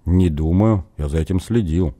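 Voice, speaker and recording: A man's voice: low-pitched, normal speed, dark tone. A man voicing a sheepish young novice sorcerer who answers hesitantly and defensively.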